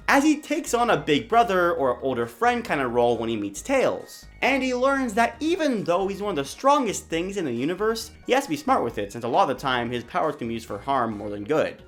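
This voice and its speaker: A woman narrates a casual video commentary with a very lively, swooping delivery. She is sarcastic and self-deprecating, sometimes tripping over a word, and music plays behind her. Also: medium pitch. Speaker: video essay host. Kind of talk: casual scripted commentary with joking asides.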